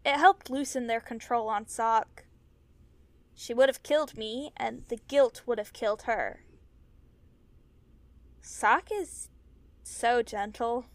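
Audio drama casting: hurting, blunt young mer runaway, slightly high voice, unhurried, very dry close sound. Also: female voice, no room sound. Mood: guarded, subdued. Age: young adult. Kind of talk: naturalistic audio drama acting.

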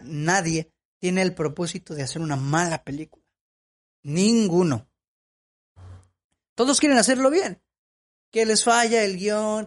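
A man giving opinion commentary as a film vlogger. He talks in an emphatic, lecturing way and repeats his points. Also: sits high.

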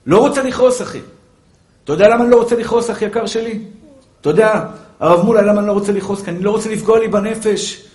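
A man with a high voice delivers a fervent sermon in a roomy, echoing space. He pleads with his listeners and calls them brothers and pure souls. Now and then he softens into gentle, coaxing asides. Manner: fervent preaching with sudden soft, coaxing asides. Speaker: rabbi.

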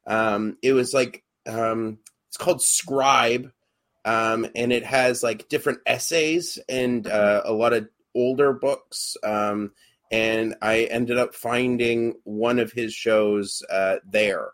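A man's voice: mid-range voice, steady tone, takes it slowly, a bit bright. A young adult man, a podcast co-host and actor, chatting casually and hesitantly with many fillers and restarts.

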